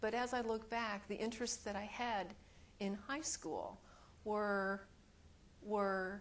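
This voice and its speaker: A woman talks at a fairly slow pace. Her medium pitch shows ordinary variation. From Central Illinois, US Midwest. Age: 50s. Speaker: plant pathologist and soybean researcher. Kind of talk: oral history interview.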